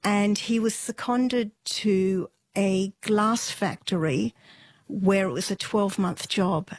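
A middle-aged woman speaks unhurriedly to an interviewer, pausing on fillers and laughing softly now and then. Her voice sits at an ordinary pitch, close to the mic in a dry room with no echo. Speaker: interview guest. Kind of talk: relaxed storytelling interview.

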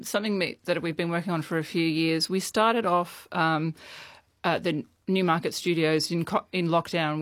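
A woman's voice: deep voice, dry recording, clean studio sound. Woman explaining her music project. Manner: explanatory, with frequent fillers.

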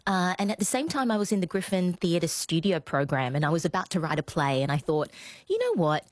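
A low-pitched woman speaks as a guest in a radio studio. She talks softly and thoughtfully, pausing often to find her words. The recording is dry, with no room sound. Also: sing-song, no echo. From Australia. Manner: thoughtful, soft-spoken, with frequent ums and pauses. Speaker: playwright and actor.

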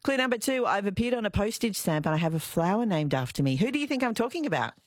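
A woman's voice: medium pitch, very animated, fast talker, no echo, clean studio sound. An Australian woman hosting a talkback radio show, chatting with callers and laughing often. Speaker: radio host.

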